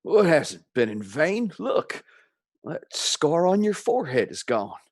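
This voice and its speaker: A man's voice: fairly high pitch, sing-song, unhurried, slightly rough, dry recording, clean studio sound, exaggerated voice. A man playing a brave, devoted vampire hunter in a radio play, impassioned and emotional. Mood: dying, tender. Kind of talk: theatrical radio play acting.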